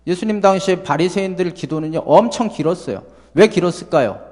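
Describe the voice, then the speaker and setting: A male pastor preaching a sermon to his congregation, lively and full of rhetorical questions. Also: high-pitched, brisk, in a large hall. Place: church sanctuary.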